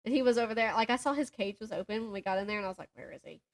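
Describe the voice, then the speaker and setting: Racing along in a fairly high voice, this book podcast co-host keeps the chat casual and bantering. Her storytelling is slangy and informal, animated by acted-out quotes.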